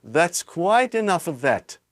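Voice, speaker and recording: A man voicing a stout shopkeeper who barks at a crowd and speaks gently to a boy. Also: mid-range voice, lively intonation, moderate pace, no room sound, studio quality, lightly acted. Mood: bossy. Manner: bossy then gentle. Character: gruff stout shopkeeper, kindly.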